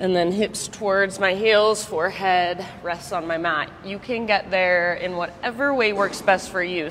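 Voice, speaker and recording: A woman's voice with fairly even intonation and noticeable background noise. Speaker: yoga teacher. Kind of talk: guided yoga class. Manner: loud.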